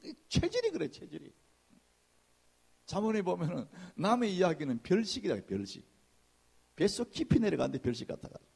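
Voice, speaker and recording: A man preaching a sermon as senior pastor, in a lively conversational way, acting out church gossip in hushed voices. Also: high voice, fairly quick, vocal fry, pauses often, breathy edge.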